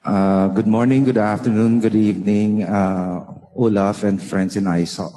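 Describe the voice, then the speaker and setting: A man giving measured, orderly remarks to an online conference as a panel representative. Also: fairly low pitch, steady tone, mellow. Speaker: panel representative reporting from a local chapter. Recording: echoey hall with long reverb.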